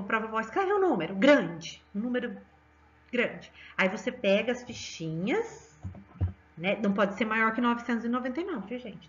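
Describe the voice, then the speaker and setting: Brazilian woman, 30s, primary teacher, bright and encouraging, slightly high voice, muffled home recording. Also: a little hiss or hum. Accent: Brazilian Portuguese. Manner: cheerful, coaxing, speaks to children with diminutives. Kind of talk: remote math lesson for children.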